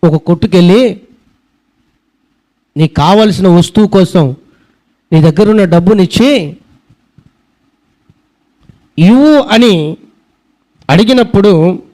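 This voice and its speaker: A man's voice: high-pitched, lively intonation, slow, pauses often, mellow. A male pastor preaching a sermon, pressing his listeners with repeated rhetorical questions in an earnest, emphatic manner. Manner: repetitive rhetorical questions to the congregation.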